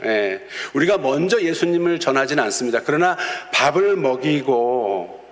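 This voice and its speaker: Speaking at a normal speed with an expressive, medium-pitched voice, a man delivers a sermon as pastor. He tells stories, performs children's quotes and occasionally chuckles. The sanctuary gives the recording a long reverb.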